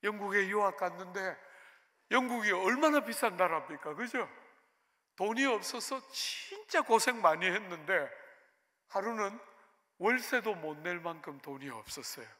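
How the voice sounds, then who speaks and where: High, bright-voiced pastor preaching. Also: male voice, lively intonation, normal speed. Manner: storytelling with rhetorical questions to the congregation. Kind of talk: sermon. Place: church sanctuary. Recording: long hall reverb in a church.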